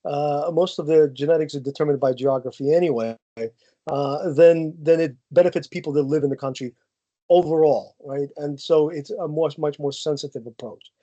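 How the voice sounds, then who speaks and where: A man's voice: a little high, dark tone, highs cut off. A man answering audience questions over a video call, thoughtful and full of hesitant restarts. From Ukraine. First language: Ukrainian. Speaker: guest speaker, geneticist.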